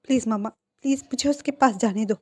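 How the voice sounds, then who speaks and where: A woman's voice: a little high, brisk, darkish tone, lightly acted. A woman voicing a desperate young man who begs his parents, stammering and repeating himself as she reads a fan fiction story. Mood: pleading.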